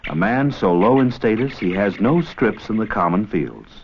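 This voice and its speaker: A man's voice: on the low side, expressive, moderate pace. A man reading scripted educational documentary narration on an old film soundtrack. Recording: muffled, faintly noisy old 16mm film soundtrack.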